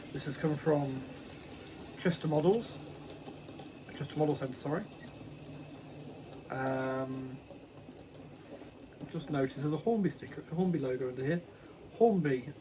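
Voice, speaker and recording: A man's voice: fairly high pitch, background noise. A man casually vlogging about his model railway hobby, rambling and correcting himself with many ums. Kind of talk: casual unboxing chat.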